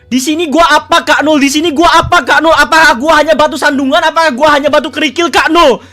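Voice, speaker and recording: A man's voice: very high voice, fairly even intonation, quick pace, pushed and bright, soft background music, pitched above the performer's own voice. A man voicing a distraught, heartbroken woman who wails pleading questions.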